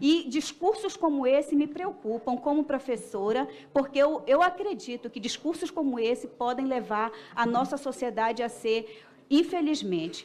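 A woman speaks with lively intonation at a fairly slow pace. Her voice is high-pitched. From Brazil. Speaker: politician. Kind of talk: heated debate. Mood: critical, concerned. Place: meeting room. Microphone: podium.

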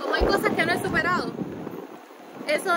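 A woman talks at a very fast pace in a raised, projected voice. Crowd noise fills the background. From Cuba. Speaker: vlogger. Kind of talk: casual vlog talk to camera. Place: motorbike. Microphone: phone near.

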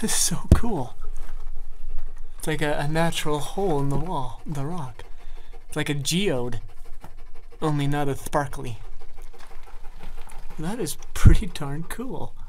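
Over light background noise, someone speaks at a fairly slow pace with long, frequent pauses. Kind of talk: casual vlog chat. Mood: excited, cautious. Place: tunnel cave. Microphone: phone near.

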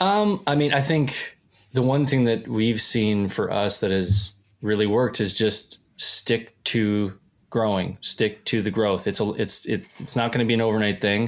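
Speaking with a Canadian accent, a man has an unremarkable speaking voice at a medium pitch with ordinary pitch variation. He keeps a fairly slow pace and very even loudness in a very clean recording with a silent background. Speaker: country musician. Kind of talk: casual interview.

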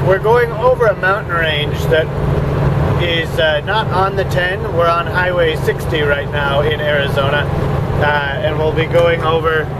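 A man talks fairly slowly in a dry sound with no echo, with loud background noise behind him. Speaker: road trip vlogger. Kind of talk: casual vlog chat. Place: car. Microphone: phone near.

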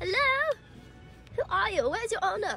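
Over music in the background, a put-on character voice with a German accent speaks at an extremely high pitch and a moderate pace. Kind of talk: amused casual talk to a dog. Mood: playful, amused.

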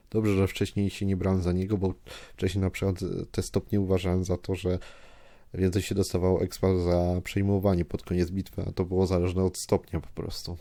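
A man with a very deep, low pitch and a dark, mellow tone, calm and monotone with flat intonation, on a very clean recording with a silent background. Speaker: gaming YouTuber. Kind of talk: casual Q&A monologue to viewers. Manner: calm, quiet; halting, hesitant.

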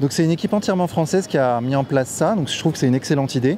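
Over noticeable background noise, a man talks at a very fast pace with ordinary pitch variation, in a dry sound with no echo. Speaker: street reporter. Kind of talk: street reportage with interviews. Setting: outdoors. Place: street. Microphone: handheld.

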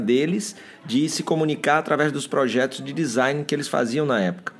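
There is noticeable background noise as a man speaks at a fairly high pitch. His pitch variation is ordinary. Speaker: podcast host; startup event mentor. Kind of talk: casual business chat. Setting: at a startup event.

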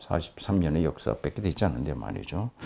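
Vocal fry runs through this man's voice. He talks at a very slow pace with very wide pitch swings. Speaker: sports journalist. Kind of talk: casual monologue.

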